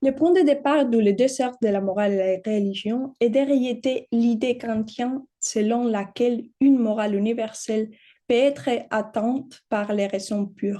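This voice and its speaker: Speaking fairly slowly with a non-native accent, a woman uses a fairly high pitch and a dark, mellow tone. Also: ordinary pitch variation. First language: not French (speaking French). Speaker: academic speaker. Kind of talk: conference talk. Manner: halting.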